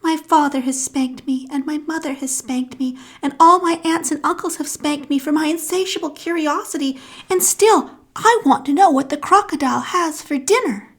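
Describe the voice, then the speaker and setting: A woman's voice: high voice, moderate pace, voice pushed up. A woman voicing a young elephant child from a children's storybook, earnest, polite and endlessly curious. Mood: earnest, determined.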